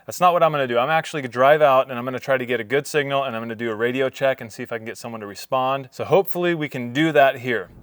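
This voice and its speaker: A man's voice: mid-range voice, very fast, few pauses, fairly bright tone, clear, resonant tone, no echo, studio quality. A man vlogging in a casual, chatty way, explaining things informally as he does a hands-on demo. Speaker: vlog host.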